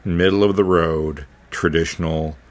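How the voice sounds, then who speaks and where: A man chatting as a podcast host, halting and repeating words as he searches for the next one. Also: sits low, steady tone. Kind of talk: casual podcast conversation.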